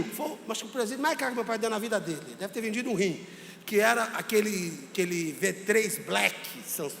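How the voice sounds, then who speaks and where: A man, a pastor telling a humorous story in a sermon, lively and acting out voices. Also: high-pitched, creaky. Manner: lively comic storyteller who acts out voices. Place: church. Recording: reverberant church hall, faint room noise.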